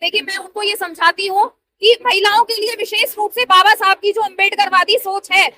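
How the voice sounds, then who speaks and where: A woman's voice: extremely high pitch, fairly even intonation, a little fast, bright, forceful tone, slight background noise. A woman in her thirties, a party worker answering interview questions in an earnest, persuasive way. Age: 30s.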